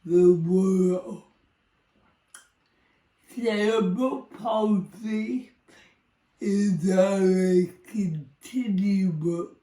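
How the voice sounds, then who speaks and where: A woman in her forties with cerebral palsy, speaking slowly and deliberately as she gives a personal testimony. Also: medium pitch, warm tone, reverberant, distant mic. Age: 40s. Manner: slow, deliberate speech with a cerebral palsy speech difference. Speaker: psychology professor and advocate.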